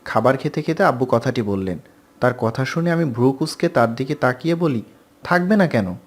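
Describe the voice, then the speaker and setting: A man reads a romantic story aloud in a playful, lively way. His voice sits at a middle pitch for a man. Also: fairly quick. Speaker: story narrator.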